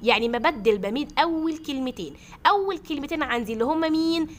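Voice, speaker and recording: A woman with an Egyptian accent teaching a classroom grammar lesson, patiently repeating examples slowly. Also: high-pitched, lively intonation. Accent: Egyptian Arabic.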